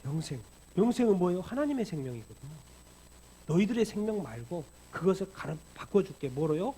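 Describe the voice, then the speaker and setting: A man's voice: high voice, big pitch swings, brisk, warm tone, rough recording. A middle-aged man preaching a Korean-language sermon as pastor, firing rhetorical questions and acting out quoted lines with animation. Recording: faint background noise.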